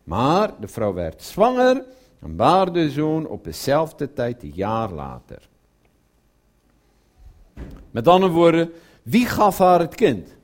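A man preaching a sermon who retells a Bible story, drops to a low murmur for quoted lines and puts questions to his listeners. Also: wildly swooping pitch, takes it slowly, pauses often.

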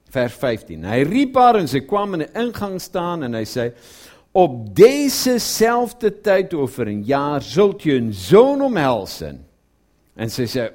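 A man preaching a sermon who retells a Bible story, drops to a low murmur for quoted lines and puts questions to his listeners. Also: darkish tone.

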